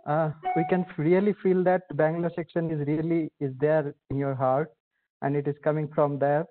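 An Indian English man moderating a session, introducing speakers respectfully with frequent hesitations. His voice is a little high for a man and comes through a narrow, phone-like video call connection. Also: little pitch movement, moderate pace, over music. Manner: respectful, hesitant with many uhs.

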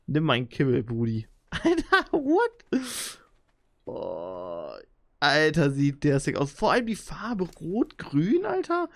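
A young man giving excitable, slangy commentary while playing a video game as a channel host. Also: a little high. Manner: excitable, slangy, frequent exclamations. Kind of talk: let's play commentary.

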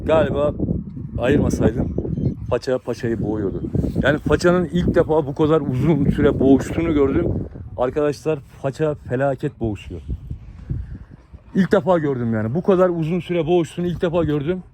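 A man's voice: on the high side, a little fast. A man narrating to his viewers while trying to separate two fighting dogs outdoors, giving urgent repeated commands. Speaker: dog breeder vlogger. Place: outdoors in a dog yard. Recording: outdoor recording with dog noise.

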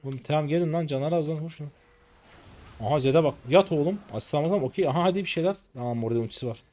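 His voice runs on the high side and he races through the words as this late-20s streamer commentates live. Excitable and exasperated, he trades rough, slangy jabs with his team.

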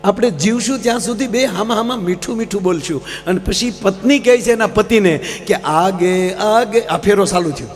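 A man's voice: high-pitched, moderate pace, few pauses. A man telling folksy humorous stories on a live stage, often addressing the audience as sir. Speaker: folk comedian. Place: large live stage program. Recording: reverberant live hall, faint mains hum.

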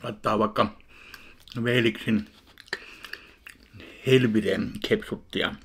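A man in his thirties reviewing a ready meal in his home kitchen, talking slowly and deadpan between bites into a webcam. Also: fairly low pitch, husky. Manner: unhurried, chewing between remarks, deadpan. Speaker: food vlogger. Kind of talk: casual eating review. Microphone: webcam at arm's length.

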